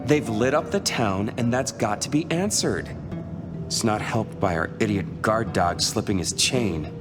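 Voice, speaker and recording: A man's voice: fairly low pitch, animated, measured pace, over music. An actor voicing a flamboyant, foul-mouthed male vampire in a video game, campy, theatrical and teasing. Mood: wry.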